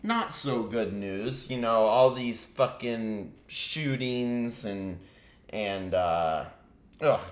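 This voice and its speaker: Laid-back cursing morning show host. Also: male voice, medium pitch, drawn-out words. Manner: laid-back, swears casually. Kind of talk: casual morning show chat. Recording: echoey room.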